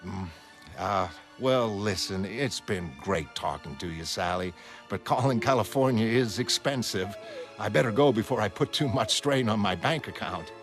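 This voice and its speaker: A folksy old retired hero. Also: male voice, on the low side, animated, normal speed. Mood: nostalgic. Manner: folksy, self-deprecating, nostalgic. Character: genial retired old hero, man, mechanic. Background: music.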